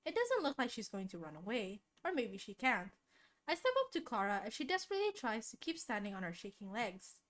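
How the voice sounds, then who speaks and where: High, animated woman streamer reading aloud. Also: a little fast, a little hiss or hum. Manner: dramatic narration broken by chatty reactions. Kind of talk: reading a visual novel aloud, casual asides. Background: game music.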